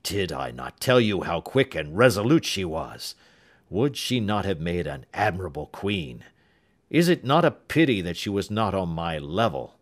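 A man reading as an excitable, grandly emotional king, loud and effusive. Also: low-pitched, moderate pace.

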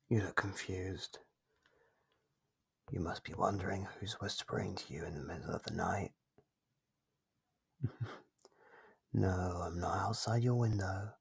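A man voicing an ancient monster under the bed in an ASMR roleplay, playful, taunting and menacing, with a breathy, gravelly half-whisper. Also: sits low, heavily acted. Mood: sly teasing. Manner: slow, teasing, menacing.

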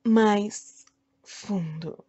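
A Brazilian woman leading a guided meditation in a soothing, deliberate way, speaking in short phrases with long pauses. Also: medium pitch, warm tone, breathy edge, dull audio, soft background music. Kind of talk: guided meditation, self-hypnosis narration.

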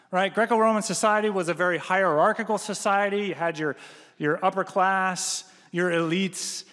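A man in his thirties delivers an animated sermon as pastor, his voice pitched notably high for a man. He talks on a headset mic, often checking in with "right?", and the sound hangs in a long reverb from the large church hall. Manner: animated, gestures broadly, often adds "right?".

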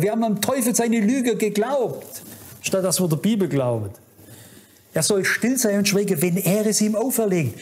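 A man delivers a conference sermon in a noticeably high voice. He is fervent and admonishing, speaking directly to his listeners to warn and exhort them. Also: a little mellow. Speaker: preacher. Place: conference hall.

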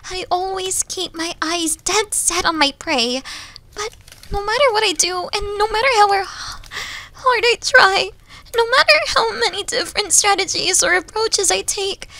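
A woman's voice: very high voice, no echo, exaggerated voice. A woman voicing a timid, needy, self-loathing young wolf girl in an ASMR roleplay, plaintive and hesitant, often dipping toward a whisper. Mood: desperate, pleading. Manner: soft, hesitant, breathy dips into whispering, plaintive. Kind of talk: ASMR roleplay audio drama.

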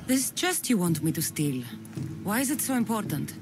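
Blunt, animated warrior woman played by an actress. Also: medium pitch, moderate pace, music in the background, natural voice. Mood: questioning. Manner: blunt, determined. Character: tough, defiant female Greek mercenary warrior. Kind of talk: video game cutscene acting.

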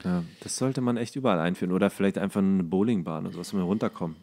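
A man's voice: sits low, very fast, darkish tone. A man co-hosting a podcast in casual comedic chat, tipsy and tired, rambling and jokey as he goes. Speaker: podcast co-host.

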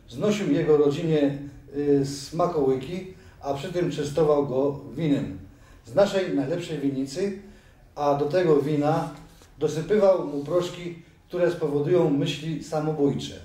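A man's voice: a little high, unhurried, dark tone, lightly acted. A man playing Azariasz, a sly scheming judge. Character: scheming male council judge, sly plotter. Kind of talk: amateur audio drama reading. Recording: very echoey room, far from mic.

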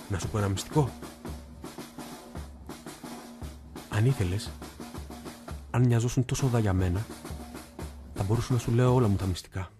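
In a stage play for radio, an actor portrays a lonely, childlike young man, shifting from hushed confiding to shrill shouting. His voice sounds natural.

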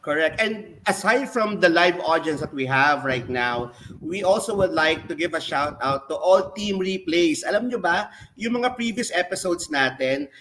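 A man with a Filipino accent hosts a live online webinar, switching between English and Filipino as he introduces mentors and segments. His voice sits a little high for a man, with faint background noise behind the video-call audio. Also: lively intonation, moderate pace, fairly bright tone, rough recording. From Philippines. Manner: mixes English and Filipino, announcer-like. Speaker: host. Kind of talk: webinar hosting.

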